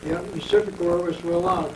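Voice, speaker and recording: A man in his eighties with an American accent, telling his war memories at length in an oral history interview, wandering and pausing as he remembers. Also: high voice, level tone, slight background noise. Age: 80s. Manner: rambling reminiscing storyteller. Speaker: veteran interviewee. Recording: echoey room, mic at a distance.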